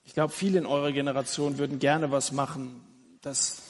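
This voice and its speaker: A man's voice: medium pitch, steady tone, fast, long reverb tail. A man preaching an evangelistic sermon, earnest and inviting, talking straight to his listeners.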